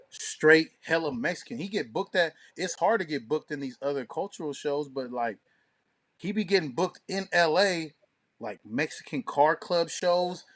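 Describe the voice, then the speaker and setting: A man's voice: on the high side, a bit bright. Slangy, opinionated man chatting on a podcast. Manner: slangy, opinionated, emphatic talk with heavy profanity. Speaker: podcast co-host and DJ. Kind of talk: casual podcast conversation.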